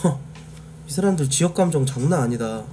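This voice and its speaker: High, lively man streaming casually. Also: a little fast, a little hiss or hum. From Jeolla, South Korea. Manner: blunt, swears freely, talks back to chat. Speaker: live streamer. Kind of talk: casual live-stream chat.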